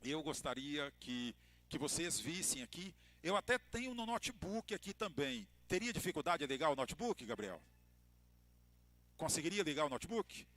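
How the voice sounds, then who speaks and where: A man with a Brazilian Portuguese accent, a pastor giving a church lecture to couples, telling stories with expressive emphasis and light humor. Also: on the high side, normal speed, dry recording.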